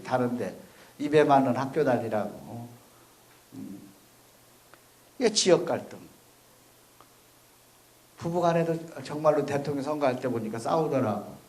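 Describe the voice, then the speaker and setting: Chatty monk, folksy, checking in with listeners. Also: male voice, medium pitch, a little mellow. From Chungcheong, South Korea. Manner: folksy, keeps checking in with the audience with "eh?". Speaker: Buddhist monk giving a dharma talk. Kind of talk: conversational sermon. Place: temple or university dharma hall.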